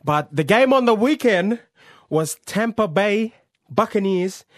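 A man's voice: high voice, animated, measured pace, no echo, clean studio sound. A man co-hosting casual sports radio banter, joking and laughing readily. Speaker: co-host.

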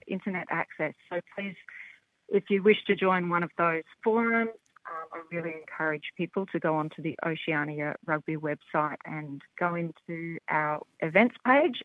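An Australian woman speaking as an interview guest, upbeat and enthusiastic, often starting with "look" and filling pauses with "um". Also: low voice, dry recording. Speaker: rugby development representative. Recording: tinny phone line.

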